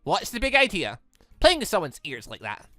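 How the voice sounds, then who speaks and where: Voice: mid-range voice, wildly swooping pitch, moderate pace, pushed and bright, no room sound, soft background music. A game streamer voicing a brash rabbit-eared girl. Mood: flustered, indignant. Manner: sassy, blunt, exclamatory.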